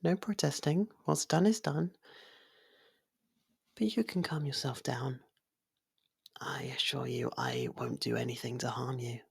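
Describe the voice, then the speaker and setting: A woman voicing a possessive, softly menacing fairy royal in love, coaxing in an ASMR roleplay and slipping into whispers. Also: rumbling low, animated, a little slow, gravelly, pauses often, slightly rough, exaggerated voice. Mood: possessive, calm menace.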